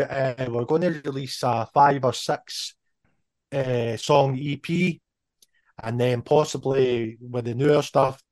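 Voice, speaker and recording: A man's voice: mid-range voice, no room sound. Scottish man in his thirties, dry sound. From Scotland. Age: 30s. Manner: relaxed, rambling, lots of "you know". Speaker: band member guest. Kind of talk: casual interview chat.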